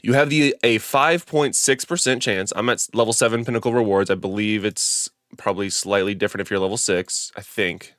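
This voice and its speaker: A lower-voiced man with a stuffy, nasal sound from a head cold talks through a game guide in a loose, rambling way, full of ums and restarts. The close mic gives a dry, dead sound. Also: fairly quick, hardly any pauses, fairly bright tone, dry recording. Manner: chatty and rambling, many fillers and self-corrections. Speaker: gaming video creator. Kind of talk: casual game guide commentary.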